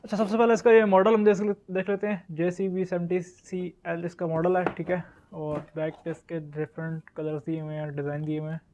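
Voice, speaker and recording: A Pakistani man talks casually through a product demo. His voice sits a little high and stays fairly flat in pitch. There is clear noise behind him as he presents. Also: fairly quick, highs cut off. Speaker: shop's product reviewer and presenter. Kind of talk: casual unboxing and demo narration.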